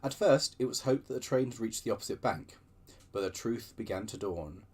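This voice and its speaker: Husky man reading aloud with lively pitch. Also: fairly quick. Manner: lively storytelling with chatty digressions. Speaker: channel host reading aloud. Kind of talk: reading book extracts with asides.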